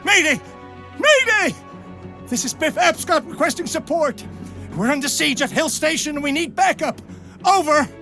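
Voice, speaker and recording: A man's voice: very high voice, expressive, normal speed, pauses often, pushed and bright, soft background music, heavily acted. A man acting a panicky, talkative, cowardly mercenary in a video game, frantic and wary. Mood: panicked.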